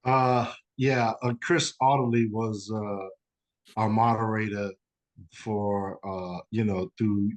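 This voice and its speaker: A man's voice: fairly low pitch, fairly even intonation, slow pace. A man, a guest author, telling a personal story in a rambling conversational way, full of "you know" and fillers.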